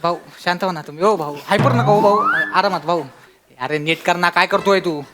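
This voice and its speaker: An actor playing a flattering, flustered party worker in a stage comedy sketch, soothing his boss and rambling on. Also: sits high, brisk, over loud music, natural voice. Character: fawning male party worker, eager and flustered.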